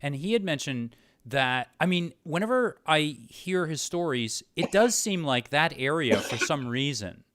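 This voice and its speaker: A man's voice: a little high, lively intonation, unhurried, few pauses, fairly bright tone, a little hiss or hum. A man with a North American accent hosting a casual interview, rambling informally and hedging as he frames his thoughts. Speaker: interviewer, host.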